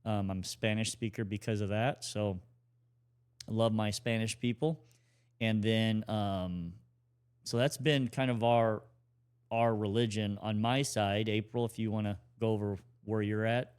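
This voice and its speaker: A man in his forties with a low, smooth, resonant voice talks casually as a podcast co-host. He rambles a little and restarts his sentences as he goes. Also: measured pace. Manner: relaxed, rambling with restarts and fillers. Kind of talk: casual conversational talk.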